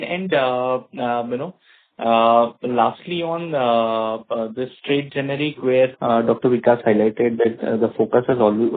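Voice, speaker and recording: A man with an Indian accent asking questions as an analyst on an earnings call, in hesitant, halting phrases. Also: medium pitch. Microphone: phone call. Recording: narrow tinny phone-line audio.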